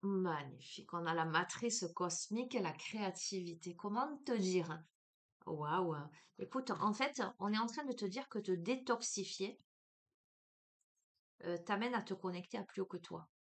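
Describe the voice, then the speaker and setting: A woman with a Marseille accent giving a spiritual card reading, talking casually and warmly to the listener with lots of fillers and restarts. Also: mid-range voice, expressive, a little slow. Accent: Marseille French. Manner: chatty, hesitant, many fillers, addresses listener as tu. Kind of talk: casual spiritual guidance talk.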